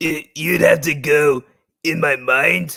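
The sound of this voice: A man speaks in a put-on character voice. It sounds raspy.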